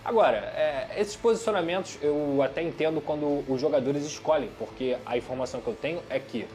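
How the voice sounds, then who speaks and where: A man with a Brazilian Portuguese accent giving an animated, opinionated football analysis in a studio sports debate. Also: fairly high pitch, fairly quick, soft background music. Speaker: sports commentator.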